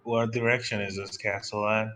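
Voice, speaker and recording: A man's voice: on the low side, level tone, normal speed, sharp tone, a little hiss or hum. A man playing a tabletop game, bantering casually with the group.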